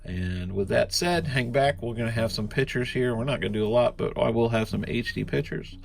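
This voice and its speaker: A man's voice: medium pitch, fairly quick, gravelly. A man reviewing a collectible figure in a laid-back, rambling way, sounding congested from a cold. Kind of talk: casual unboxing review.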